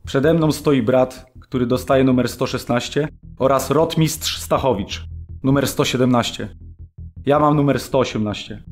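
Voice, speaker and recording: An actor playing a sober prisoner, recounting events deliberately and factually in a radio drama. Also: male voice, medium pitch, darkish tone, soft background music, close to an everyday voice. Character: sober male camp prisoner, registered alongside his brother. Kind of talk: radio drama memoir narration.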